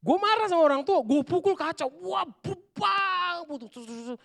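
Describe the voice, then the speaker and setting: A male youth pastor preaches in casual street slang. He swings between low, hushed asides and sudden shouted bursts, talking straight to a young crowd in a church. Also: lively intonation, normal speed, vocal fry. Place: church hall.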